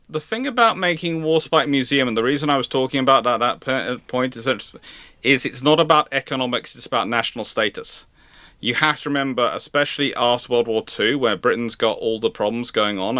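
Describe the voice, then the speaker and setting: A man answers questions as host of a live history talk. His mid-pitched voice is bright and crisp-edged, recorded dry and close. He explains emphatically, often interrupting himself to rephrase. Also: dry recording.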